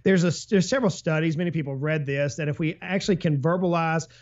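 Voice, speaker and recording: Upbeat male advisor, slightly high voice, conversational, muffled lo-fi audio. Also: fast talker. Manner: energetic, explains with travel analogies and hypothetical quotes. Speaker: financial advisor guest. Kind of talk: casual business podcast talk.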